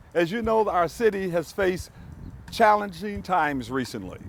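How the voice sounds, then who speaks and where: At a moderate speed, the voice moves with lively intonation. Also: man. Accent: American. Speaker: real estate developer. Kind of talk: infomercial pitch to camera.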